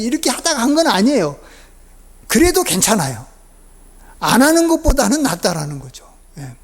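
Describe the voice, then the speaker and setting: A middle-aged male pastor delivers a sermon in a high-pitched voice. He speaks conversationally, filling pauses with little words and asides as he explains each point to his congregation. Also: a little mellow. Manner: conversational preaching with many fillers and rhetorical asides.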